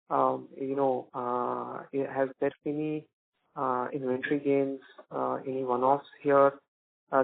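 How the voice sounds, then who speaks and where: A man, a financial analyst asking questions on an earnings call in a hesitant, halting way. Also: mid-range voice, gravelly. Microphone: phone call. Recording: tinny phone line.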